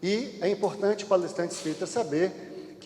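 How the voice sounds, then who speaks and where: Noticeable background noise sits behind a man's voice. His pitch is high, with ordinary variation. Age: 50s. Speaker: spiritist lecturer. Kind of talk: lecture. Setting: stage with audience.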